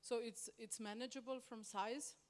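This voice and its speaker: A woman's voice: on the high side, fairly even intonation, moderate pace. A woman speaking as a business panelist, thoughtful and a little tentative. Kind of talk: panel discussion answers.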